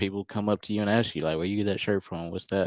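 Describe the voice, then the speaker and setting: The voice is soft-spoken. The sound is dry and close with no echo, in a very clean recording with a silent background. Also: man. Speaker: barber student and youth coach. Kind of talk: interview. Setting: podcast studio. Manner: soft-spoken, laid back.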